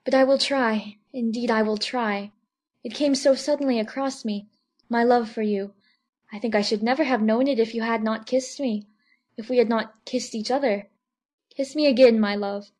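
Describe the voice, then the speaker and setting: A man's voice: very high-pitched, darkish tone, voice pushed up. A man voicing a lovesick young actress in a storybook reading, desperate and devoted, pleading breathlessly. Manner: imploring, repetitive, breathless pleading.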